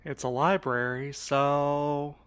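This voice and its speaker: A man's voice: on the high side, little pitch movement, slow pace, fairly bright tone, clean tone. A man acting in an audio drama as a cautious, exasperated and sardonic young sleuth with a wry, insistent manner.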